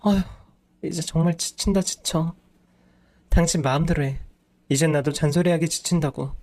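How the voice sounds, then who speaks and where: Man doing a scolding, sharp-tongued wife. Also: on the high side, moderate pace, pitched above the performer's own voice, close to an everyday voice. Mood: weary. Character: exasperated nagging wife, woman in her thirties.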